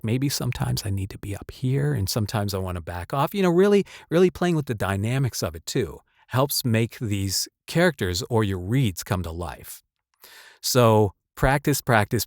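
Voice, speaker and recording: A man's voice: medium pitch, no room sound. Emphatic man talking casually, very dry sound. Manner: emphatic, rambling, conversational. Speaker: voice actor giving advice. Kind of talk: casual advice talk to camera or mic.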